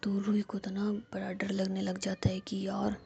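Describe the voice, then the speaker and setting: A woman narrating a story in a soft whisper, colloquial and rambling. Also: medium pitch, monotone, normal speed, gravelly, lo-fi sound.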